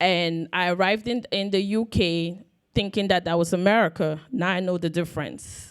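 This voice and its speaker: A woman has a plain, everyday voice at a medium pitch. She talks at a moderate pace with fairly even intonation. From Cameroon, Bamenda (anglophone), then Maryland from age nine. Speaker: human trafficking survivor and activist. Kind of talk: panel testimony.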